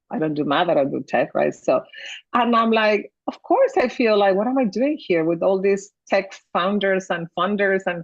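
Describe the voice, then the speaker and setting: A woman with a Mexican accent speaks at a moderate pace in a medium pitch, her intonation lively. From Mexico (Monterrey). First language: Spanish. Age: 50s. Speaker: business owner and consultant. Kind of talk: panel interview. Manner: animated.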